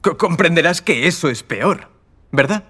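A man's voice: fairly high pitch, animated, moderate pace, sharp tone, breathy edge, exaggerated voice. A man dubbing an anxious, earnest young ethics professor in a dubbed TV comedy, talking in a hesitant, fussy way. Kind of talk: Spanish TV comedy dub.

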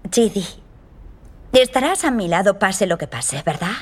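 A woman's voice: mid-range voice, sing-song, measured pace, breathy edge. A brash crude young woman. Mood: blunt. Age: young adult. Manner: blunt, sarcastic and crude. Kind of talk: Spanish TV comedy dub.

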